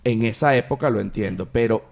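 A man hosting a podcast in a relaxed chat, quick and animated, laughing often as he tells stories. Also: on the low side, vocal fry. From Venezuela. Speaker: podcast host. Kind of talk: casual chat.

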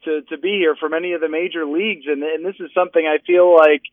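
A man's voice: a little high, steady tone, quick pace, dry recording. A man being interviewed as a guest over the phone, talking in a dry, sarcastic way with rambling restarts. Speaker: sports writer and analyst, guest. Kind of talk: casual interview chat. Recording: tinny phone line.

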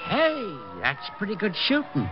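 An actor playing a brisk, chatty carnival shooting-gallery attendant in a radio drama. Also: male voice, high voice, huge pitch swings, exaggerated voice. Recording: dull lo-fi old radio transcription with music.

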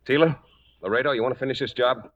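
An actor playing a firm, principled cowhand in a western radio drama, calm and resolute in manner. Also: male voice, medium pitch, fast, highs cut off, natural voice. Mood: firm, commanding. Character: firm, principled younger cowhand defying his boss. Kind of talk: 1940s-50s western radio drama acting. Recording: faintly noisy vintage radio recording.

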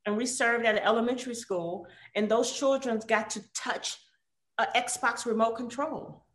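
Animated woman from Detroit, echoey room. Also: a little high, normal speed. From Detroit, USA. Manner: animated storyteller, lively quoted voices. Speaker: guest. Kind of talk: casual conversational interview. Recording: roomy echo.

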